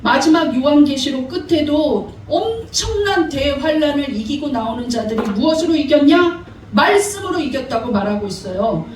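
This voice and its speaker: Woman pastor preaching in church, high voice, big echoey room, faint hum behind. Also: expressive, normal speed. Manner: exhorting, asks the congregation often. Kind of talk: sermon. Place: church sanctuary. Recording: echoey church hall, mic far off.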